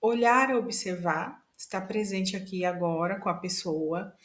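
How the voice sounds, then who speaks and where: At a fairly slow pace, a woman speaks. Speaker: therapist and course teacher. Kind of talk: lecture. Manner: steady, even pace; slow, deliberate.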